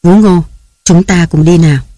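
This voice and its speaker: A man's voice: a little high, fairly even intonation, moderate pace, mellow, no room sound, clean studio sound, natural voice. A man reading aloud who voices a frightened young wife, tearful and pleading. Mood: defiant.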